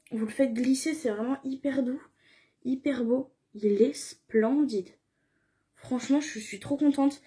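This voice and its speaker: A woman's voice: a little high, warm tone. A young woman chatting casually in a beauty haul video, gushing with enthusiasm and repeating words for emphasis. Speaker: beauty vlogger.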